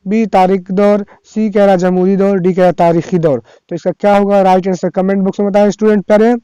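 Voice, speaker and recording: Male tutor, high, mellow and clear. Reads quiz questions twice and coaxes students to answer. Dry, close sound. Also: no echo. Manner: reads each question twice, then prompts students to comment; chatty, coaxing. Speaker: teacher. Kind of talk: exam revision lesson, reading quiz questions aloud.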